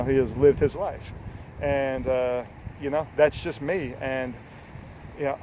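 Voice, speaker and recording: A man's voice: mid-range voice, noisy background. A man in his forties, a health coach, giving an earnest, rambling motivational talk with many fillers and casual swearing. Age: 40s. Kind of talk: unscripted motivational talk to camera.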